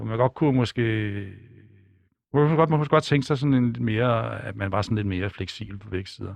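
Against a quiet background, a man with an unremarkable speaking voice talks fairly quickly at a medium pitch, with ordinary pitch variation and big swings in loudness. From Copenhagen, Vesterbro. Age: 50s. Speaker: author. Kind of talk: interview.

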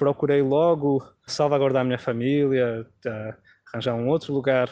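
At a moderate pace, a man speaks with medium pitch and fairly even intonation. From Portugal. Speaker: hospital doctor. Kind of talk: interview testimony. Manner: halting, hesitant.

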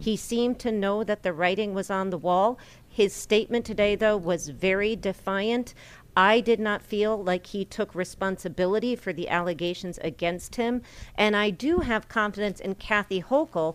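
A woman with an American accent, medium pitch and ordinary pitch variation, at a moderate pace, in a normal speaking voice. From New York. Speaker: political commentator. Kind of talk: panel discussion.

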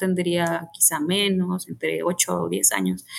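In a Mexican accent, a woman speaks at a very slow pace. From Mexico, León, Guanajuato. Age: 30s. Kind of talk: interview testimony.

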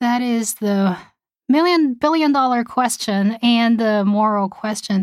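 In a very clean recording with a silent background, a woman speaks in an unremarkable speaking voice, fairly high-pitched, at a fairly slow pace, with ordinary pitch variation and very even loudness. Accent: American. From China, then India, then US. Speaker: finance researcher. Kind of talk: interview.

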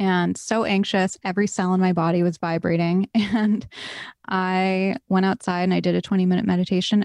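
A woman speaks in a plain, everyday voice at a medium pitch and a fairly quick pace. Her intonation stays fairly even against a quiet background. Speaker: podcast influencer in recovery. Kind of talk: casual interview chat.

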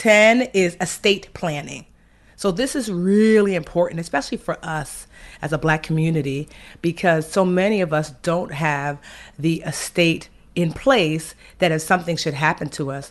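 A woman with a normal speaking voice and a fairly low pitch talks at a moderate pace with ordinary pitch variation against a quiet background. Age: 40s. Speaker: financial educator. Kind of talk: interview.

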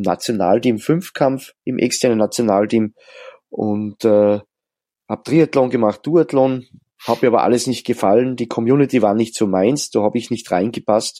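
A man's medium-pitched voice with a dark, mellow tone, moderate pace and ordinary pitch variation, dry and close with no echo, in a very clean recording with a silent background. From Austria, Ausseerland (Styria). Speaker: ice swimmer, record holder. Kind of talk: interview.

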